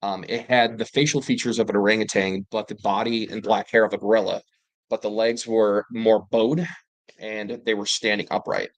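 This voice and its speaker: Low-voiced man telling eerie stories. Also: moderate pace, no room sound, rough recording. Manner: rambling, with fillers and restarts, excited bursts in quoted speech. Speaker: panel guest telling paranormal encounters. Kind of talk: casual storytelling.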